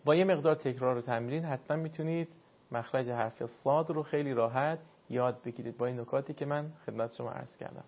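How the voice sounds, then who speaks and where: A man teaching the pronunciation of Arabic letters for recitation, explaining patiently and slowing down to demonstrate each sound. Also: mid-range voice. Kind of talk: spoken pronunciation lesson. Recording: dull lo-fi sound.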